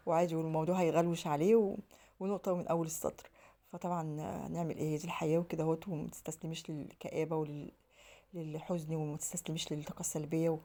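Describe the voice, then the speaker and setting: Acting out each line of dialogue, this home vlogger rambles through her stories in a casual way. She speaks with an Egyptian Arabic accent, and her voice is mellow and on the low side.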